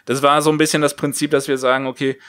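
A man's voice: a little high, little pitch movement, quick pace, a bit bright, clean tone. A man speaking casually as an interview guest on a podcast, an audio drama creator.

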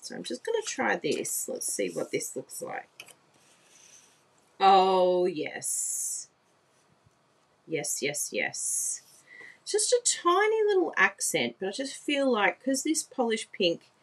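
Aussie lady showing off card making live, lots of wows, lower voice that bounces around, slow and a bit breathy. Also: low-quality recording. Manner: bubbly, exclaims and laughs often, asks viewers for agreement. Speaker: papercraft demonstrator. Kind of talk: live craft demonstration chat. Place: indoor craft room at a desk.

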